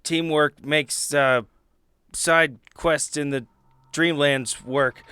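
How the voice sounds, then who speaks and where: A man playing a cheesy, self-assured adventurer in a tabletop game, halting and cornball. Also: fairly high pitch, fairly even intonation, bright, forceful tone, clear, resonant tone, dry recording, studio quality. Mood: cheesy, rallying. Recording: background music under the voice.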